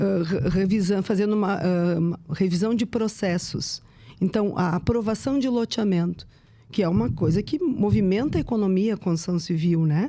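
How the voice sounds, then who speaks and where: The voice has a dark, mellow tone and very even loudness. It moves at a moderate pace with lively intonation. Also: woman, medium pitch for a woman. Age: 60s. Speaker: vice mayor and politician. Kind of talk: podcast interview. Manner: halting, many restarts and fillers.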